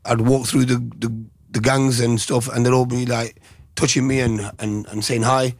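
A middle-aged man, a former boxer recalling his early years in a hesitant, soft-spoken interview. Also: mid-range voice, level tone, moderate pace, dry recording, clean studio sound. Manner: soft-spoken, hesitant, many ums and restarts.

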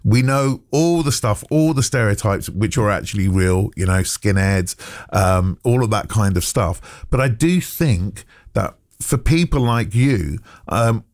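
Radio host, man, 50s, lively and chatty. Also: fairly low pitch, unhurried, dry recording. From England. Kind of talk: radio interview.

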